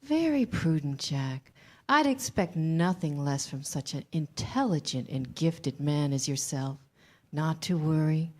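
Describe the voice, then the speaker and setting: A woman's voice: low-pitched, expressive, a little slow, darkish tone. A woman playing a seductive, manipulative Hollywood producer with a condescending streak in a staged reading. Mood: smooth, flattering.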